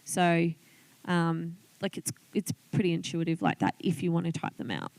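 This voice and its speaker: A woman's voice: lowish voice, big pitch swings, normal speed, gravelly, darkish tone, no echo, low-quality recording. A woman with an Australian accent gives an informal tutorial, chatting and thinking aloud as she explains things step by step. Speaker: online business coach teaching video tips. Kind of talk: informal tutorial, talking through a screen demonstration.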